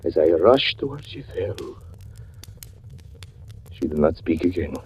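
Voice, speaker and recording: A haunted, grief-torn husband. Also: male voice, sits low, sing-song, slow pace, highs cut off, slight background noise, heavily acted. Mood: hushed, broken. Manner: brooding, swinging from hush to anguished cries. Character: grief-stricken man confessing his wife's death. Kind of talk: 1940s radio drama acting. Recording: old radio broadcast with faint music.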